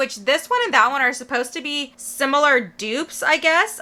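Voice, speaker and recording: Over noticeable background noise, a woman raises and projects her high voice, talking fairly quickly with lively intonation. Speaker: beauty vlogger. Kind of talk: casual makeup tutorial talk to camera. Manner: very chatty, talkative.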